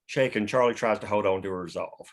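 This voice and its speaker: A man's voice: fairly low pitch, quick pace. A man reading scripted stage directions as the narrator of a screenplay table read.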